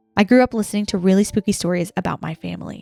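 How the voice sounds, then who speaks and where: Very fast speech from a woman at a medium pitch, dry and close with no echo, with music in the background. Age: 20s. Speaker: podcast co-host. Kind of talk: reading aloud listener stories.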